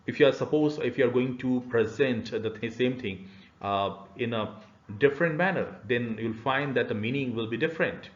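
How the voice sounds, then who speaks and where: A middle-aged man with an Indian accent giving an explanatory online lecture, phrasing haltingly with many filled pauses. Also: mid-range voice. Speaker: university lecturer. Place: small indoor room. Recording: dull, boxy, roomy webcam audio.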